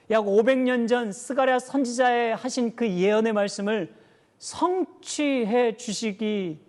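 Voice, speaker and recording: A male pastor giving an earnest sermon, slowing down to stress scripture quotes, with frequent "uh" fillers. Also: sits high, darkish tone. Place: church sanctuary. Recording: long reverb of a church hall.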